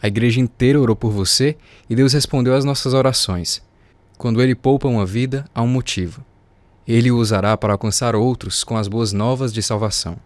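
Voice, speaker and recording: A male actor plays a middle-aged father, devout and proud, in a radio drama. He speaks solemnly and encouragingly at a medium pitch, recorded very dry. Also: a little fast, no room sound, natural voice. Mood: tender, solemn.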